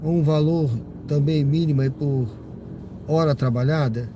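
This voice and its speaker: A man's voice: fairly high pitch, steady tone, moderate pace. Slightly stuffy-nosed chatty man driving. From Brazil. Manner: rambling, chatty, lots of tag questions to viewers. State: slightly congested from a cold. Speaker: rideshare driver streaming live. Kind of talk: casual live-stream chat while driving. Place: inside a car driving at night. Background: car and road noise.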